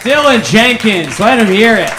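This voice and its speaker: High-voiced male MC over a noisy crowd. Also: expressive, moderate pace. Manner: loud, rousing. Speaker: comedy show host. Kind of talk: stage announcement. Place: comedy club stage. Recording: noisy live room with crowd. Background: crowd noise.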